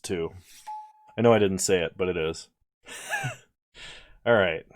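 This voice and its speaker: A sleepy man giving casual gameplay commentary, thinking aloud as he weighs each choice. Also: deep voice. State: sleepy, yawning. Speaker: video creator drafting cards.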